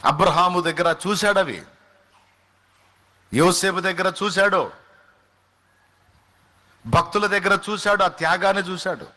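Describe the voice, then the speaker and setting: A man's voice: high-pitched, measured pace, pauses often, pushed and bright. A male pastor delivering a sermon in an emphatic style, repeating phrases and asking rhetorical questions.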